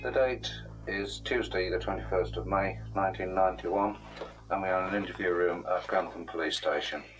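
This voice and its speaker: A man, a police detective, questioning a suspect in a measured, procedural way, heard on an old interrogation tape recording. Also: sits low, fairly bright tone, low-quality recording. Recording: archive interview tape with music over it.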